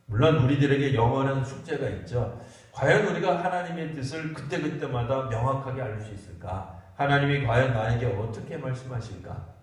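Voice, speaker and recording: A man's voice: medium pitch, expressive, fairly quick. A male pastor giving a sermon at a Friday prayer meeting, speaking conversationally and posing rhetorical questions to the congregation. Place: church sanctuary. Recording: echoey church hall, mic at a distance.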